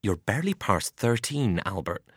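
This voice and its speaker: A man reading aloud and voicing a worried, weary farm mother who speaks softly and reprovingly. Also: on the low side, very animated, normal speed, husky, dry recording, clean studio sound. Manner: soft, reproving.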